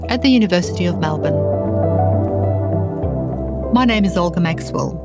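A woman from Ukraine hosting a podcast, narrating in a calm, measured scripted way. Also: on the low side, over loud music. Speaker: podcast host and applied linguist.

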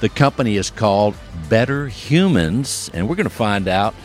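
A man's voice: fairly low pitch, expressive, normal speed, faint music behind. A man hosting an interview show, chatty and enthusiastic, rambling a bit as he introduces his guest. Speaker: show host. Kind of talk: casual interview talk.

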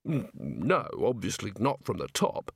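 A man's voice: on the low side, sing-song, measured pace, creaky, breathy edge, dry recording, studio quality, voice pushed down, full character voice. A man voicing a hapless, nervous wizard in an audiobook, hesitant and defensive in manner. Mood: wary. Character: hapless, nervous male wizard, evasive and apologetic.

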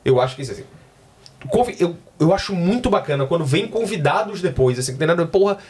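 A man's voice: on the high side, expressive, fast talker, a little mellow, a little hiss or hum. A man who works as a wedding celebrant, chatting casually on a podcast and telling stories with jokes and swearing. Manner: storytelling with joking asides and swearing. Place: in Australia.

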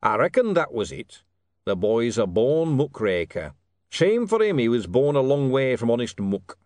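A man doing a gruff, drawling, shrewd rough-edged boss. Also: medium pitch, very animated, normal speed, darkish tone, no echo, studio quality, lightly acted. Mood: musing. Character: gruff, shrewd, rough-spoken self-made older male businessman.

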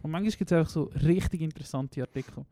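A young man with a Swiss German accent, co-hosting a podcast in rapid, chatty casual talk and laughing easily. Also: a little high, warm tone, dry recording, studio quality. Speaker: podcast co-host. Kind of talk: casual chat.

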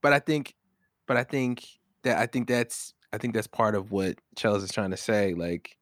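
A man's voice: fairly low pitch, expressive, moderate pace, no echo, studio quality. A man in a casual podcast discussion who restarts his sentences several times before he gets to his point.

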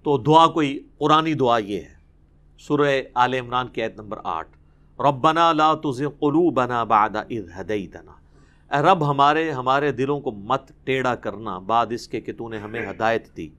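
A middle-aged man with a Pakistani Urdu accent giving a Quran commentary lecture, explaining with animation and reciting verses slowly and carefully. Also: medium pitch, a bit bright. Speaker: religious teacher.

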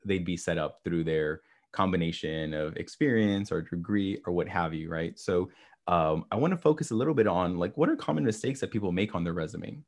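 A man hosting an interview podcast, talking in a relaxed way with many fillers and often checking for agreement. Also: sits low, fairly quick. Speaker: podcast host.

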